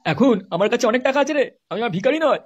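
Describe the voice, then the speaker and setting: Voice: medium pitch, expressive, very fast, highs cut off, very noisy, close to an everyday voice. A performer voicing a boastful, short-tempered poor husband in a comedy cartoon, foul-mouthed and insulting, with a West Bengal accent. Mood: boastful scolding. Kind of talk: amateur comedy cartoon dialogue.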